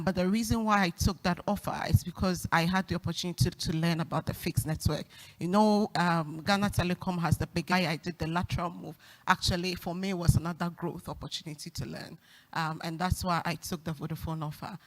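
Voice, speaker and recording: A woman's voice: on the low side, low-quality recording. A woman on a forum panel, a telecom executive recounting her career in a conversational, reflective way with easy laughs. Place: forum stage.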